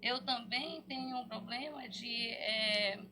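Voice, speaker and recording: A Brazilian woman speaking as a specialist guest in an interview, explaining didactically and pausing to find words. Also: fairly high pitch. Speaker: hair therapy specialist guest.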